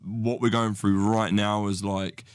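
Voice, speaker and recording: A man's voice: lowish voice, measured pace, smooth, no echo, clean studio sound. A young man chatting as a guest, rambling with many fillers. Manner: rambling, lots of fillers, animated storytelling with put-on voices. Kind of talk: casual chat.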